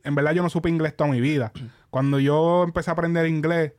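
Man, podcast co-host, profane and animated, slightly high voice. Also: brisk. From Dominican Republic, raised in Puerto Rico. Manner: animated, swears constantly. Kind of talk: casual chat.

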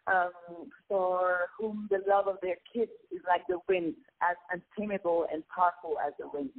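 A woman's voice: lowish voice, moderate pace. A woman from Congo whose first language is Lingala, a singer being interviewed, speaking in an earnest, reflective way with hesitant restarts. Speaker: singer and guest. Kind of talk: casual interview chat. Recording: tinny phone line.

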